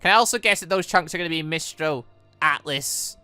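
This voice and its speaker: A man's voice: a little high, brisk, sharp tone, clear, resonant tone, no echo, faint music behind. A man hosting a gaming video, reading a visual novel aloud theatrically with commentary and stumbling over the odd line. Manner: theatrical, exclaiming, stumbling over read lines. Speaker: gaming channel host.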